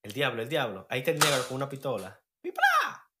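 A man's voice: medium pitch, very fast, heavy background noise. A man with a Dominican accent, joking and bantering in slangy casual chat as a podcast co-host.

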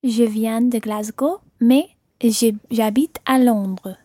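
A woman's voice: on the high side, steady tone, dark tone, no room sound. A woman taking part in a podcast language lesson as the learner, repeating phrases carefully. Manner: careful, measured repetition.

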